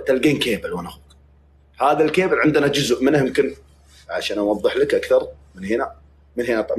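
Saudi male streamer, rapid joking banter, faint background noise. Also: mid-range voice. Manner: joking, mock-threatening banter. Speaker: livestream host. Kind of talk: casual livestream chat.

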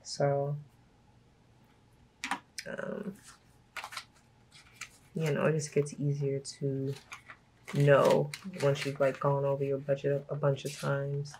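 A woman from Brooklyn, hoarse from a cold, chatting casually and laughing often as she talks through her budget. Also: a bass voice, monotone, slow, pauses often, a little mellow, a little hiss or hum, low-quality recording. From Brooklyn, New York. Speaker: budgeting vlogger. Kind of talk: casual chat while stuffing cash envelopes.

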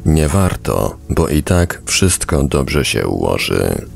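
Male audiobook reader, exceptionally deep and gravelly, for scripted narration. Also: sing-song, slow. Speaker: audiobook reader on a radio podcast. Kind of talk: scripted narration, book reading.

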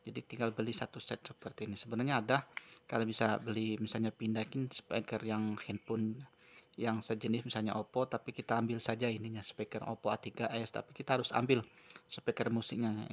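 Low, flat-voiced man. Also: dull audio. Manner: repetitive, explanatory, step by step. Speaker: phone repair tutorial presenter. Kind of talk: unscripted hands-on tutorial narration. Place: at a wooden table indoors.

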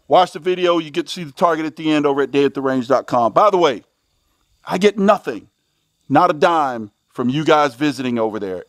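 A man's voice: a little high, dry recording, studio quality. A middle-aged American man hosting a shooting video outdoors, commenting casually to viewers in a folksy, exclamatory way. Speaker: host of a shooting range video channel. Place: outdoors at a covered shooting range.

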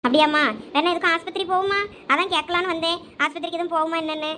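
Fussing, kind mother-in-law in a village comedy skit, high quick voice, as a woman puts her on. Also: steady tone, bright, forceful tone, slight background noise. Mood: worried. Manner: fussing, coaxing. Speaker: sketch actor.

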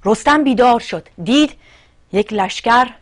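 Woman reciting epic verse slowly. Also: a little high. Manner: slow rhythmic recitation mixed with brisk plain explanation. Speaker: host and epic storyteller.

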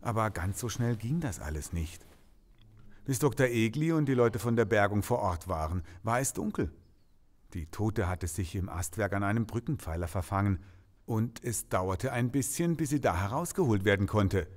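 A man's voice: lowish voice, animated, normal speed. An actor playing a sympathetic, weary male police detective in an audio crime drama, explaining apologetically. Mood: apologetic. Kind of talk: German audio drama acting.

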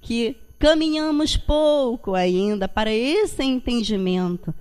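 Speaking slowly in a meeting hall with a projection screen, this Brazilian guest lecturer from Rio offers a reflective, informal talk at a Spiritist centre. Her slightly high voice is clear, resonant, and darkish, with lively intonation and frequent checking tags.

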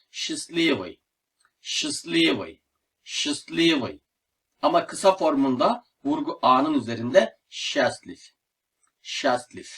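A man teaching a language lesson, slowly repeating each word and then translating it, often calling his listeners friends. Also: mid-range voice, breathy edge, far from the mic. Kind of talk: slow, deliberate lesson narration.

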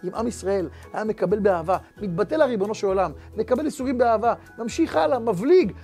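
Emphatic high-voiced rabbi preaching. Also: male voice, soft background music. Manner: emphatic, repetitive, keeps addressing listeners as gentlemen. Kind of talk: sermon with a parable.

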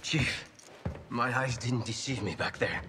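A man's voice: medium pitch, a little slow, sharp tone, a little hiss or hum. An actor in his thirties playing a frightened, self-loathing pilot in a video game, speaking with anguished, bitter emotion. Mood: bitter dismay. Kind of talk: dramatic video game cutscene acting.

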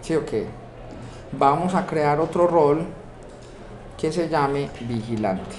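A man with a Colombian Spanish accent, teaching a software course and walking through a screen-recorded tutorial step by step, often checking in with rhetorical questions. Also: fairly high pitch, slow pace. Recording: echoey room with steady background noise.

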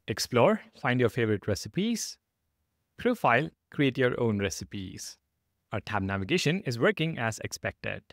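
A man's voice: medium pitch, a bit bright, dry recording, clean studio sound. A man narrating a step-by-step programming screencast as the instructor, in a methodical, instructional manner.

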